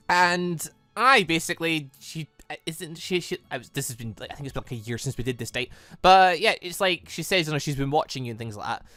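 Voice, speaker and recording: A man's voice: on the high side, bright, forceful tone, no echo. A man hosting a gaming series with casual let's-play commentary, rambling and hesitant as he thinks aloud.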